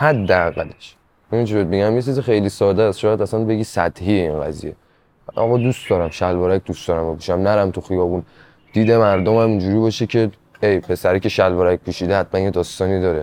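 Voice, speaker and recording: A man speaks at a very fast pace. His voice sits fairly low, with ordinary pitch variation. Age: young. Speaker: rapper. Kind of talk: interview. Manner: casual slangy.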